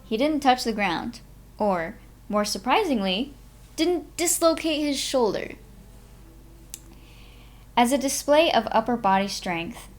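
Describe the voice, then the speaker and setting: A woman narrating a memoir aloud as a live streamer, in an informal manner with her own small asides. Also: on the high side. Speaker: streamer reading a book aloud.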